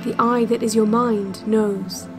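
A woman playing a calm, controlling narrator of an institute's relaxation cassette, measured and hypnotic in an audio drama. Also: fairly high pitch, music in the background. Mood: hypnotic, instructive. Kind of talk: scripted guided-meditation narration, audio drama.

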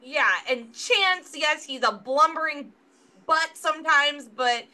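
A woman's voice: sits high, takes it slowly, bright, forceful tone. A woman co-hosting a podcast, chatting casually and with enthusiasm about films. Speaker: podcast co-host. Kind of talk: casual chat.

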